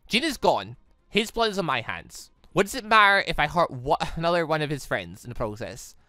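Kobieta jako poważna, pełna winy młoda wojowniczka. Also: female voice, deep voice, sing-song, fairly quick, pushed and bright, no room sound, heavily acted. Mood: bitter guilt. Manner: solemn, hesitant, formal. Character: earnest, guilt-ridden young warrior woman.

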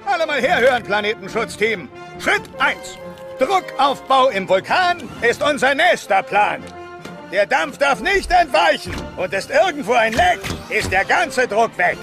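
Ein Schauspieler spricht ein aufgedrehtes, exzentrisches männliches Wiesel als Abenteurer in einem Hörspiel, theatralisch und sprunghaft. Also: male voice, very high voice, big pitch swings, a little slow, creaky, music in the background, heavily acted. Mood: excited. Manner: manic, theatrical, jumps between silly voices. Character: excitable eccentric male weasel adventurer, manic. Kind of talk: German audio drama dubbing.

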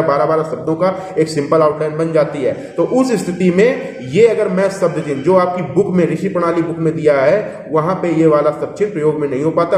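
A man teaching a shorthand class, explaining step by step and often checking that the students follow. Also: a little high. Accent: Hindi. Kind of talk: classroom instruction. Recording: echoey room, voice from far off.

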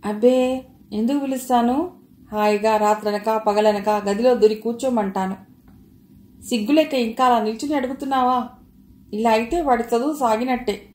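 A woman doing a harsh, bossy older mother-in-law in a storybook reading, barking orders and sneering with a highish, rising voice. The recording has a noticeable echo of the room around it. Every line comes out as a scolding. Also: steady tone, moderate pace, pauses often, lightly acted. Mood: scornful, angry. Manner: scolding, contemptuous, shouting.

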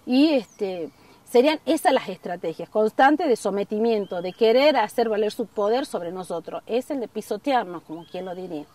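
A middle-aged woman from northwest Argentina, speaking earnestly in an outdoor documentary interview and often pausing on fillers. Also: medium pitch, expressive, dark tone, recorded from a distance. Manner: earnest, gesturing, many fillers. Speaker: community member interviewed. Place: outdoors in an open field. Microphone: camera at a distance.

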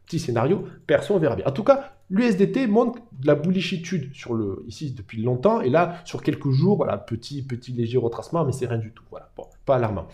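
A young man hosting a casual market analysis, talking fast and excitably to his viewers with lots of trading slang. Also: medium pitch. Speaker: crypto market analyst, channel host.

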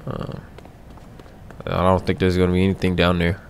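A man's voice: low voice, monotone, moderate pace, vocal fry, slight background noise. A young man commenting on a video game as he plays it for the first time, incredulous and joking, talking back to the screen. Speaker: gamer. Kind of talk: blind let's play commentary.

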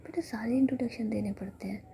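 A woman's voice: a little high, quick pace, gravelly, mellow, slight background noise. A woman doing a sweet-talking, bossy young woman. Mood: coaxing.

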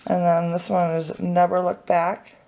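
A woman vlogger chatting excitedly at home as she unboxes craft supplies, with lots of fillers. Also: fairly low pitch, unhurried, vocal fry, rough recording. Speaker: family vlogger. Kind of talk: casual unboxing chat. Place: home, indoors at a table.

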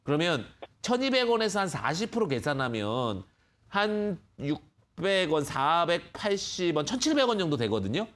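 A man's voice: fairly high pitch, sing-song, moderate pace, fairly bright tone. A man hosting a live phone-in stock show, patiently explaining prices to callers with many fillers. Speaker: stock market expert host.

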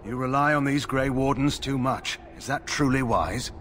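An actor playing a stern older military commander in a fantasy game, disdainful and commanding. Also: male voice, mid-range voice, normal speed, fairly bright tone, a little hiss or hum, lightly acted. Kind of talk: fantasy video game acting.

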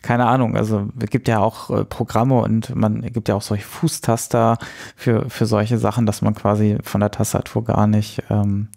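Man with a creaky voice, chatting. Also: lowish voice, little pitch movement, normal speed, warm tone. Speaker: podcast co-host. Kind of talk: casual podcast chat.

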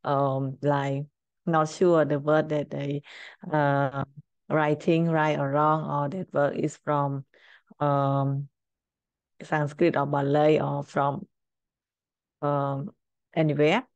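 A middle-aged woman with a Cambodian accent, a native Khmer speaker, teaching informally in halting, simple English. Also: low voice, little pitch movement, darkish tone, clean tone, no echo, muffled recording. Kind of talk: informal screen-share language lesson.

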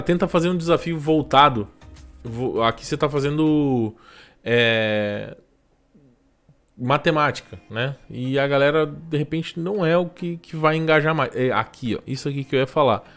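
A man in his thirties with a Brazilian Portuguese accent, giving relaxed, chatty channel advice on a live stream and tossing in quick tag questions. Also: mid-range voice. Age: 30s. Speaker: YouTube growth coach hosting a live stream.

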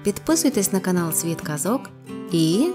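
A woman reading a humorous story aloud as a storyteller, lively and playful. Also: on the low side, moderate pace. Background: faint guitar music.

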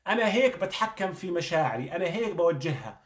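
A man's voice: high-pitched, big pitch swings, quick pace. A man, a doctor giving a motivational talk, earnest and coaching, firing questions at the listener. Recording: echoey room.

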